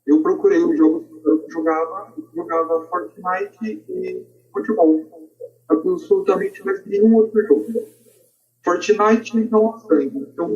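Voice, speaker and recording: A man's voice: high-pitched, mellow. A Brazilian man making his points in a podcast discussion, recorded on a dull, distant lo-fi microphone. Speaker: podcast speaker.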